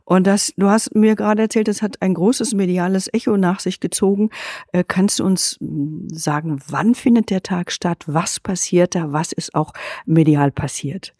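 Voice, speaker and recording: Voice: medium pitch, moderate pace, a little mellow, breathy edge, no room sound. An interview host who trains seminar groups, agreeing readily with the guest and asking open, friendly questions. The voice sits in a middle register. It is recorded dry and close. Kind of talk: conversational interview.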